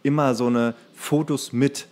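A man's voice: medium pitch, fairly even intonation, measured pace, a little mellow. A man who co-hosts a podcast, chatting in a rambling, colloquial, joking way. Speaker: podcast co-host. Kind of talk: casual comedic chat.

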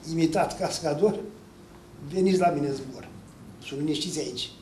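A guttural, sly otherworldly guide, as a man puts him on, who rattles off short, clipped lists as if giving a tour. The voice sits a little high and rings out from a distance in a roomy hall. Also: darkish tone, a little hiss or hum, natural voice. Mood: matter-of-fact. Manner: clipped, matter-of-fact tour-guide listing. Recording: echoey hall from far off.

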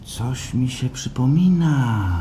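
A man in a radio play playing an anxious, weary captive who pleads in stammering, halting repetitions. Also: mid-range voice, lively intonation, mellow, slight background noise. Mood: hesitant. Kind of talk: live radio play acting.

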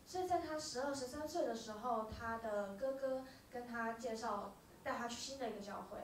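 A woman interpreting live from a stage, speaking quickly with short filler hesitations. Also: on the high side, slight background noise. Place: small dark music venue. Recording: roomy venue, from far off.

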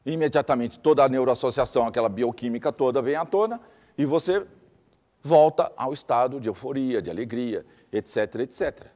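A man lectures to a class, laying out his points in lists and repeating examples. His voice sits at an ordinary middle pitch for a man. The sound carries a long reverb, as in a hall. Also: a little fast, a little mellow. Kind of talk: teaching lecture.

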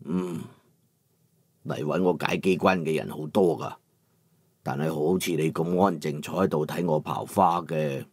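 A man voicing a calm elderly master craftsman in a Cantonese audiobook, speaking in a flat, unhurried, placid way with a Cantonese accent. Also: extremely low pitch, breathy edge, no room sound, studio quality, pitched below the performer's own voice, full character voice. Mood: calm, measured. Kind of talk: audiobook character voice.

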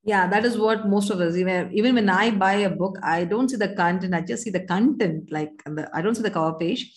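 A woman's voice: medium pitch, fairly quick. A middle-aged woman with an Indian accent hosting a conversational live talk show, speaking earnestly and emphatically, straight to viewers. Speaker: talk show host and communication coach. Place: indoors on a video call.

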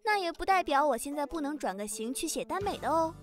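A woman's voice: sits high, expressive, quick pace, soft background music. A woman playing a teasing, playful young little sister in an audio drama. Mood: teasing, amused. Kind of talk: fan audio drama acting.

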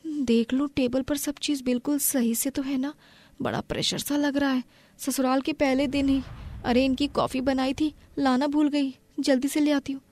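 A woman voicing an anxious, timid young bride in an animated family drama, with an Indian accent. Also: sits high, moderate pace, lightly acted. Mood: nervous. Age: young adult.

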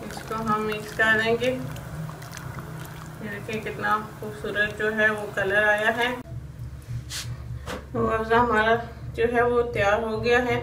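Pakistani-accented woman, home cooking narration, homely filler-heavy talk, faint hiss, distant echoey recording. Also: fairly high pitch. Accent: Urdu-speaking Pakistani. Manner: homely, repeats filler "jo hai" constantly. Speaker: cooking channel host. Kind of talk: step-by-step recipe narration. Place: home kitchen.

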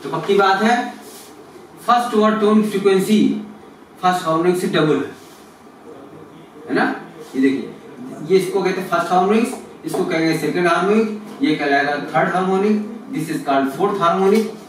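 Guy teaching physics, bit high voice, far from mic in a big echoey room with background noise. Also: moderate pace, pauses often. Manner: addresses students as kids, asks and answers his own questions. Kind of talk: explaining exam solutions.

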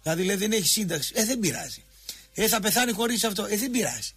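A man's voice: sits high, sing-song, fairly bright tone, slightly rough. A Greek man hosting a radio talk show, ranting heatedly and hammering the same points again and again at his co-host. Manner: impassioned, repetitive, jabbing at a co-host.

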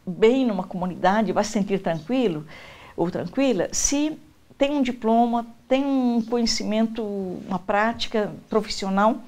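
An older woman speaking as an expert in an interview, measured with many pauses. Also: fairly high pitch, darkish tone.

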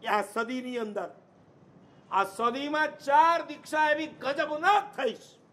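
A man preaches a sermon in a very high-pitched voice that is pushed and bright, moving at a slow pace. He tells stories emphatically and quizzes the audience with rhetorical questions.

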